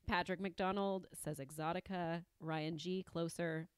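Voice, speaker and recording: A woman's voice: lowish voice, steady tone, measured pace, clean tone, no room sound, studio quality. A woman co-hosting a film podcast, reading out listener tweets in a friendly, plain way. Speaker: podcast co-host.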